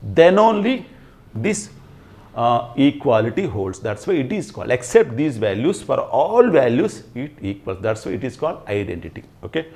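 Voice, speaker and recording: Standing at a whiteboard indoors, a middle-aged man with a Telugu accent teaches a maths lesson, picked up by a lapel mic. He speaks in a mid-range, slightly mellow voice with big swings in pitch and a moderate pace, repeating phrases for emphasis and asking himself questions.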